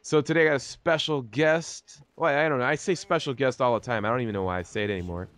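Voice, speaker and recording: A man's voice: medium pitch, fast talker, fairly bright tone. Chatty, slangy man hosting a gaming video. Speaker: host of a gaming video series. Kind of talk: casual interview over game commentary.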